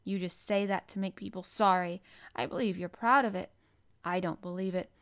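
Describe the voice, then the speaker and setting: A woman's voice: on the low side, steady tone, normal speed, lightly acted. A woman voicing a stiff, obstinate young girl in a storybook reading, with a fierce, contrary, unsympathetic manner. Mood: sour, scornful.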